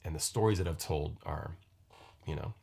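A man in his forties with a very low, deep voice talks into a podcast microphone. He wanders from thought to thought, restarting sentences and filling pauses with ums and you-knows, in a loose, casual solo chat. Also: gravelly, a little mellow, breathy edge. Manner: rambling, halting, many restarts and fillers. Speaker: podcast host and musician.

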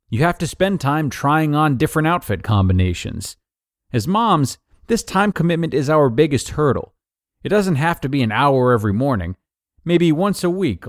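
A man narrates a written advice piece in a medium-pitched voice. His delivery is upbeat and neatly phrased, with plenty of melodic movement. The sound is dry, with very little room in it. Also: dry recording. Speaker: narrator reading blog articles aloud. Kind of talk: scripted narration of a personal advice article.

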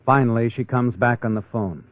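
A man's voice: medium pitch, fairly quick, dry recording, lightly acted. An actor playing a sly, ominous male narrator who taunts a guilty man in a 1940s radio drama. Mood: insinuating. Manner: insinuating, taunting tag questions. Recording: tinny vintage radio broadcast. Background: dramatic music.

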